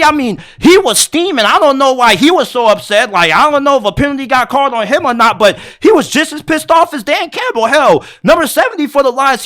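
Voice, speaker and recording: A man giving his animated, casual take on a football game as a sports commentator. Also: very high-pitched. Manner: animated, excitable, colloquial. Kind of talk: casual sports opinion monologue.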